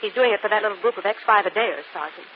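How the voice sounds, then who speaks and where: An actress playing a spirited, warm-hearted young secretary in a vintage radio drama. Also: female voice, medium pitch, racing, a crowd in the background, lightly acted. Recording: muffled vintage radio broadcast.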